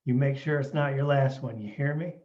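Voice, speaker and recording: Dull, lo-fi sound on a tender young coal miner father played by a man in a drama table read. He speaks in a folksy rural way, gentle and doting, at a middle pitch. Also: steady tone, close to an everyday voice. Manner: folksy rural dialect, unhurried.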